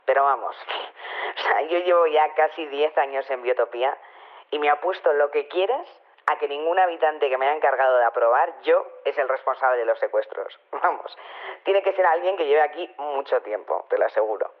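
A man's voice: a little high, normal speed. An actor playing a chatty, self-assured male community official, rambling colloquially through a radio interview over a telephone line. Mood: breezy, confident. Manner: rambling, colloquial, hedging with tag questions. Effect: telephone filter. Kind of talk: improvised-sounding radio phone-in interview. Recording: narrow, tinny phone line.

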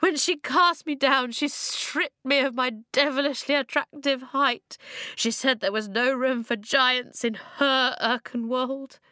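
A woman's voice: high voice, fairly even intonation, a little slow, pushed and bright, no echo, studio quality, pitched above the performer's own voice. A woman voicing a dramatic stone man who becomes a giant, wailing and theatrical.

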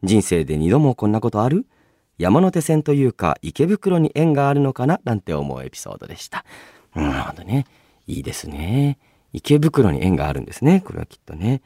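A man hosting a radio show, chatting and reading listener mail in a polite, expressive manner. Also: lowish voice, fairly quick, husky, no echo, studio quality. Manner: polite, expressive, often breaking into laughter. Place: radio studio. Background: background music.

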